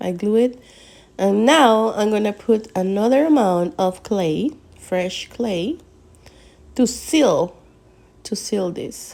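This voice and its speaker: A woman speaks at a very slow pace with long, frequent pauses. Her intonation is lively and her tone is dark and mellow. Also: fairly high pitch for a woman. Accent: non-native. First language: not English. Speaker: craft youtuber. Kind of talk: tutorial. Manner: casual, halting.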